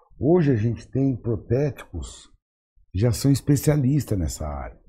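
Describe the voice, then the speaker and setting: A man speaks at a moderate pace and a medium pitch. His tone is dark and mellow, and somewhat breathy. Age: 60s. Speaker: dentist. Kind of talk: podcast interview. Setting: studio.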